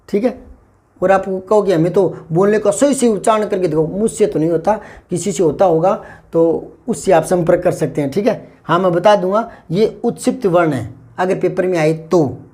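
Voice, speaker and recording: Warm and high-voiced, an older teacher with a Rajasthani Hindi accent explains phonetics in a Hindi classroom lesson. He repeats points and keeps checking that his students understand.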